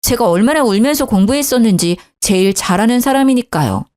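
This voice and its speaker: A woman in her thirties tells a dramatic personal story with indignant emphasis. Her fairly high voice moves in lively swings as she argues her side. The narration is emphatic and animated throughout. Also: fairly quick.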